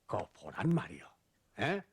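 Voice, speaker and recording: A man with a North Korean accent acting a hearty middle-aged father in a film drama, animated and chiding. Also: medium pitch, measured pace, husky, full character voice. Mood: proud, chiding.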